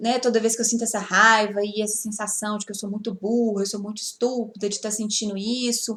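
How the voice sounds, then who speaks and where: The voice belongs to a woman and sits fairly high. The background is silent on this very clean recording. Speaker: self-help video host, EFT practitioner. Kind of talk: tutorial.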